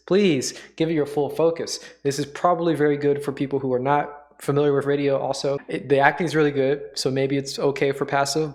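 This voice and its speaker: A man with an average-pitched voice hosts a livestream. He talks casually and without a script, enthusiastic and given to repeating his phrases. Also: darkish tone. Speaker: livestream host. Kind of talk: casual, unscripted chat.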